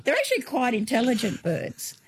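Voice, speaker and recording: A woman's voice: a little high, wildly swooping pitch, fairly quick, a little hiss or hum. A woman in her sixties with an Australian accent, a guest in a radio interview, telling vivid stories from her life. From New South Wales, Australia. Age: 60s. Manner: warm storytelling, vivid lists, some restarts. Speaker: author and guest.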